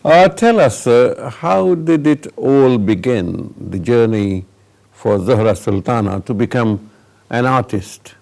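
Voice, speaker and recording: A man hosting a television interview, asking questions in an unhurried way with many hesitations. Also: medium pitch, animated, vocal fry, a little mellow. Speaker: talk show host.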